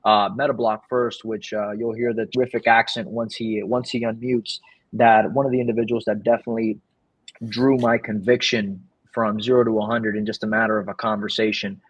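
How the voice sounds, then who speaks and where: A man's voice: lowish voice, flat delivery, brisk, breathy edge, no echo, low-quality recording. A man hosting an online audio chat who keeps dropping "right?" into his sentences as he explains his points. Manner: leans on "right?" as a tag. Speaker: host of an online audio space. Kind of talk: casual pitch-style chat.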